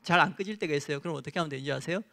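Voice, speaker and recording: A man's voice: fairly high pitch, racing, gravelly, bright, forceful tone. A male pastor preaching a sermon and leading a closing prayer in an earnest, exhorting manner.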